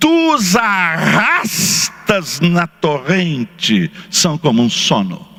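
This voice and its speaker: A man uses a raised, projected voice with very wide pitch swings. Noticeable background noise runs behind him. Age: 60s. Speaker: pastor. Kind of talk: sermon. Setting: church.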